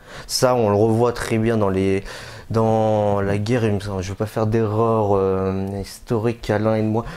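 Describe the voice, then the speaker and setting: This man's voice sits at a fairly low pitch with a dark, mellow tone. His intonation is monotone and flat. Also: fairly slow pace. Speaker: war volunteer. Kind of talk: interview. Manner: halting.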